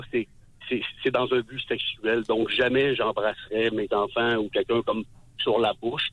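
Flat, monotone intonation from a man at medium pitch. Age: 30s. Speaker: caller. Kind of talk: phone-in call. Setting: phone call.

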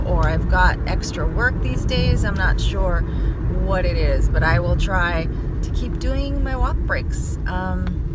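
Loud background noise surrounds the voice, yet the sound itself is dry with no echo. The pace is fairly slow. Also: woman. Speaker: vlogger. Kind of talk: casual vlog chat. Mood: relaxed, a bit lazy. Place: car. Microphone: phone near.

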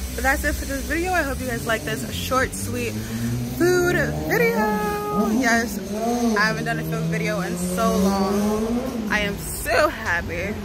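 A woman talks fairly slowly against loud background noise. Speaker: food vlogger. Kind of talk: casual vlog chat. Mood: happy, relaxed. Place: street. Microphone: phone near.

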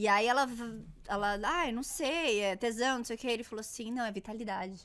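A woman at a moderate pace with lively intonation. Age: 30s. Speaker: podcast host. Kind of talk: casual chat. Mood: lively, humorous, frank. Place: studio. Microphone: studio mic.

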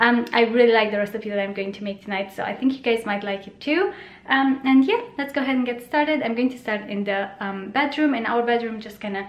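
The speech moves at a fairly quick pace with ordinary pitch variation. Loudness swings widely, and room echo is audible. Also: woman. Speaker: home vlogger. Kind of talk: casual vlog chat. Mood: cheerful, friendly. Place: home room. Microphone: phone near.

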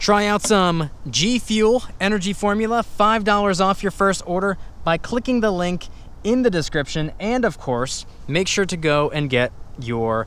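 A man speaks high and at a fairly slow pace, his pitch swinging very widely. The sound is dry, with no echo. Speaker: personal finance vlogger. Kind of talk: casual vlog chat with sponsor reads. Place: open country. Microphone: phone near.

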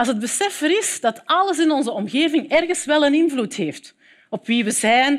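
A woman talks at a moderate pace with a high pitch that swings very widely. The background is quiet. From Flanders, Belgium. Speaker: bioethicist. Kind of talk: lecture. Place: stage. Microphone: headset.

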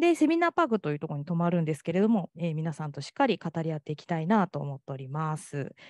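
A woman with a fairly low pitch rushes along at a very fast pace with hardly any pauses and ordinary pitch variation. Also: quiet background. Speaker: event moderator. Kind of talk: information session presentation. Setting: live event venue with audience.

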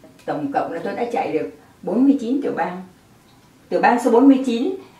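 With audible room echo around her, a woman talks at a fairly slow pace with lively intonation. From northern Vietnam, raised in Saigon. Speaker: pharmacist and marathon runner; interviewee. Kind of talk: personal testimony. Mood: calm, reflective.

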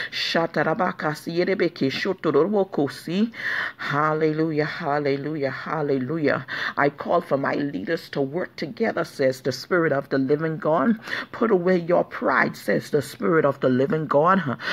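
Over noticeable background noise, a woman with a very deep, low pitch speaks in an intense tone at a moderate pace, her loudness very even and her pitch variation ordinary. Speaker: prophetess leading prayer. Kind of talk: fervent prophetic prayer and declaration, with tongues and repeated hallelujahs. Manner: intense, impassioned, rhythmic repetition; pronouncing prophecy in a commanding voice as the Lord, then crying out in praise.

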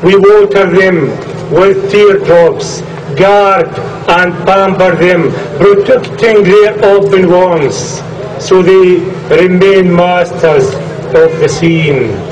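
A man talks at a high pitch and a very slow pace with very even loudness, amid noticeable background noise and audible room echo. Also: fairly even intonation. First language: Arabic. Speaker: poet. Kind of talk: poetry reading. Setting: outdoor demonstration.

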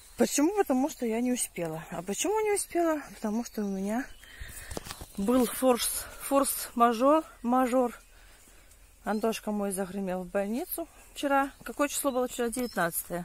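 A woman talks at a moderate pace with very wide pitch swings and long, frequent pauses, in a dry sound with no echo over light background noise. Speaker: vlogger. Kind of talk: casual vlog chat. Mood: upset, complaining. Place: open country. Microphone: phone near.

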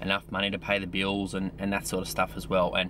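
A man's bright, sharp tone comes through dry with no echo over light background noise. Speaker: personal trainer. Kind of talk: casual vlog chat. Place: car. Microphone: phone near.

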